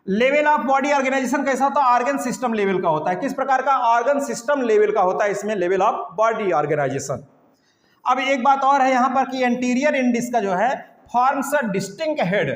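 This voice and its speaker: A man teaching biology in a classroom lecture, mixing Hindi with English terms, asking and answering his own questions and repeating key points slowly. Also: extremely high pitch. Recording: echoey room with long reverb.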